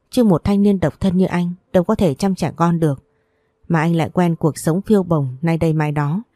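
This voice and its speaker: A woman reading a story aloud in a steady, even narration. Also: on the low side, dry recording.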